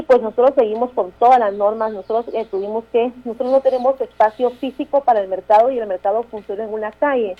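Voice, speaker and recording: A Guatemalan woman in her thirties, a town mayor speaking as a radio interview guest, halting with restarts and tag questions. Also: on the high side, muffled recording. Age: 30s.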